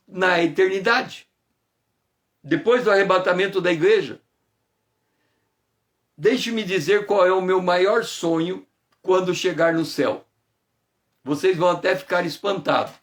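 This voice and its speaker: High-voiced man preaching a chatty devotional. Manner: playful, teasing, chatty, greets viewers by name; slows down and stretches phrases for emphasis. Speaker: pastor. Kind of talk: conversational morning devotional sermon.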